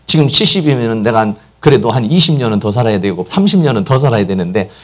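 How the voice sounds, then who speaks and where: A man's voice: medium pitch, lively intonation, quick pace, close to an everyday voice. A man acting out an exasperated, bitter aging spouse complaining about a partner in a sermon.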